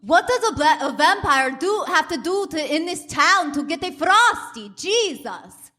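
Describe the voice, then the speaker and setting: A woman's voice: very high voice, expressive, a little slow, sharp tone, full character voice. A woman voicing a haughty, indignant vampire customer in a comic radio play on stage. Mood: outraged. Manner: indignant, melodramatic. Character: haughty, outraged vampire customer at a drive-through. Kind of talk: comic radio play before a live audience. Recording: noisy live theater stage recording.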